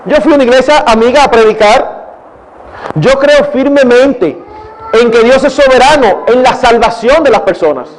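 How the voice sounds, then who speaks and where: High-voiced older Dominican pastor. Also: male voice, expressive, normal speed, a little hiss or hum, poor audio. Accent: Dominican Spanish. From Dominican Republic. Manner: earnest, digressive, addresses audience as brothers. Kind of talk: conference Q&A talk.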